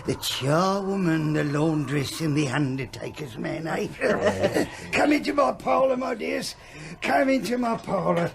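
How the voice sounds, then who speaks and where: Gravelly, wheedling old rascal. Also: male voice, high voice, noisy background, exaggerated voice. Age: older. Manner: chuckling, repetitive, ingratiating. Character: gleeful, wheedling old rascal who buys stolen goods. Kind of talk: period radio drama acting.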